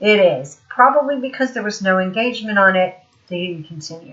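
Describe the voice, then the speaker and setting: Lively intonation marks this woman's voice. She talks at a fairly quick pace with an American accent. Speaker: online disinformation researcher, livestream host. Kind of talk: live screen-share walkthrough. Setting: live stream. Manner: casual, conversational with fillers.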